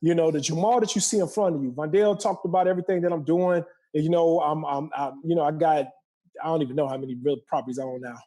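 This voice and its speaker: A man's voice: a little high, fast, dark tone. A man in his forties giving a motivational talk as a podcast guest, emphatic and preacherly, repeating phrases for effect.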